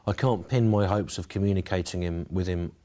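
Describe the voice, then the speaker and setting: A man's voice: low-pitched, a little fast, warm tone. A man from the Midlands being interviewed, answering in a dry, hesitant, mock-earnest way. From English Midlands. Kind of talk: deadpan comic interview.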